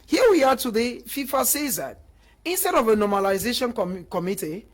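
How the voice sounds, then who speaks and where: A woman speaking on a talk panel, her voice fairly high and husky. She makes her points with indignant emphasis. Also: expressive, moderate pace. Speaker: panel guest. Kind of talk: heated debate.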